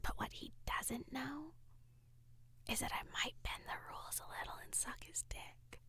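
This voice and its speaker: A young adult woman with a high, light voice leans into an intimate audio roleplay. She speaks slowly, often dropping into a soft, breathy whisper. Her tone is playful and teasing, with frequent giggles. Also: fairly even intonation.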